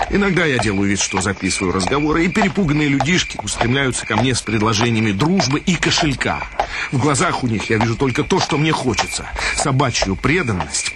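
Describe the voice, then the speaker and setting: An actor playing a meek, uneasy commoner with a bitter streak in a radio drama. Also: male voice, mid-range voice, close to an everyday voice. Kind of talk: radio drama monologue and dialogue. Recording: old radio recording, very noisy.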